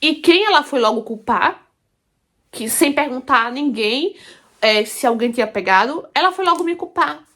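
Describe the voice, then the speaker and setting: A woman tells a personal story in the first person, pitched a touch high. She repeats herself for emphasis and keeps calling out to her listeners. The delivery is informal and heartfelt. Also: animated, normal speed, fairly bright tone. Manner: emphatic, repetitive, addresses listeners as "gente".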